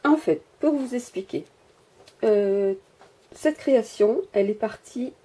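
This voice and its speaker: This woman's voice is a little high, mellow and husky, and she speaks a little slowly. Holding the camera whose mic records her, she gives a chatty tour of her handmade miniature workshop, full of hesitations, rambling and self-mockery.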